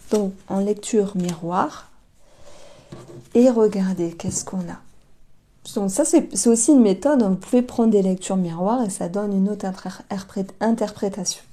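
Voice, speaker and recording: A tarot card reader gives a casual reading to camera, chatty and hesitant, thinking aloud and addressing her viewers directly. She has a warm, mid-range voice and a measured pace.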